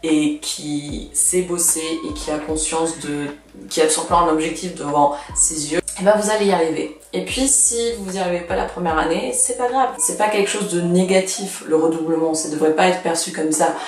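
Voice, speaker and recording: A young Russian woman in her twenties, a native Russian speaker, gives casual advice in a vlog, chatty and frank with plenty of fillers. Her low-pitched voice moves at normal speed and comes from off mic in an echoey room, with faint music in the background.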